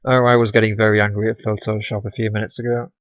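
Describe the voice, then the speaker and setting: A man's voice: fairly low pitch, little pitch movement, fast, no room sound, dull audio. A man giving casual, chatty commentary while streaming a game, with sarcastic asides.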